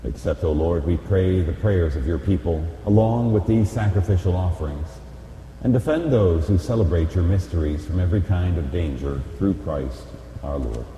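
A man, a priest celebrating Mass, reciting and chanting the liturgy in a solemn, measured way, heard with a cathedral echo. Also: low-pitched, dark tone, highs cut off. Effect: cathedral echo with long reverb. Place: large church. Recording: echoey church hall with faint hum.

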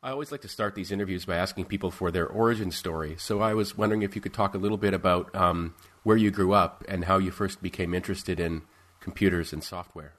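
A man hosting a podcast interview, asking questions in a measured way with frequent ums. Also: low-pitched, fairly even intonation, fairly bright tone. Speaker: podcast host.

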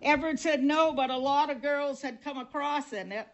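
An older woman with a Maine accent telling humorous local stories at a live event, delivering the punchlines dryly and deadpan. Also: high voice, normal speed, very noisy. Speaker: storyteller. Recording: dull recording from a live event.

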